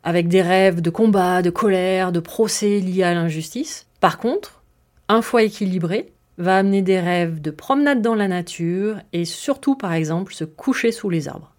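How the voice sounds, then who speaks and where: On her podcast, a woman explains her subject warmly and conversationally, sprinkling in filler words and some self-deprecating jokes. She speaks at a moderate pace in a low-leaning voice with a darkish tone.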